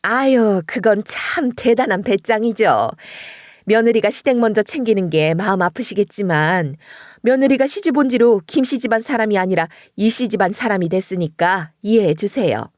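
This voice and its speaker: A woman's voice: medium pitch, normal speed, a little mellow, no room sound, clean studio sound, close to an everyday voice. A woman voicing a scheming, sarcastic middle-aged mother-in-law who needles with false politeness.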